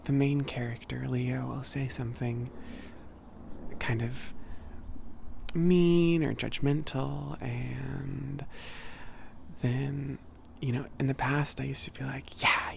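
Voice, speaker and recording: A young man voicing a sweet, shy giant cat boy in a soft, near-whispered ASMR roleplay, chatting gently and hesitantly to a small friend. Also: medium pitch, steady tone, takes it slowly, vocal fry, long pauses, slight background noise. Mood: fond, reflective. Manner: gentle, hesitant, rambling, apologetic. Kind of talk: ASMR roleplay, casual chat to listener.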